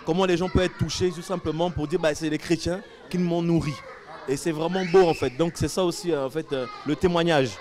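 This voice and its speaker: A man interviewed after a church event, giving a spontaneous testimony with many pauses and fillers. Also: a little high. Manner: hesitant, many fillers, grows animated.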